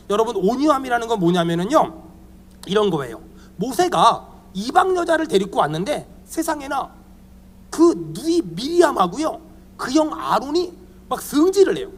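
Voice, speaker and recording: Animated pastor in his fifties, echoing hall. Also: extremely high pitch. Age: 50s. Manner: animated, humorous, leads the congregation in repeating phrases. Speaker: guest pastor. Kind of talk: sermon at a church retreat. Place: church meeting hall.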